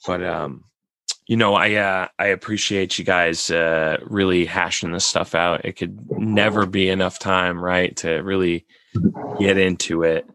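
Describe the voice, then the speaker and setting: A man with a raspy voice, hosting a casual podcast chat and rambling with many restarts. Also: sits low, fairly even intonation, unhurried, a bit bright, dry recording.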